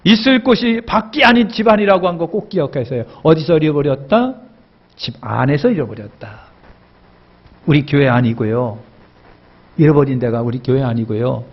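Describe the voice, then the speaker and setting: A male pastor preaching a sermon with emphatic repetition, his voice swelling in pitch and loudness as he presses his points. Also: big pitch swings, fairly quick, breathy edge, highs cut off.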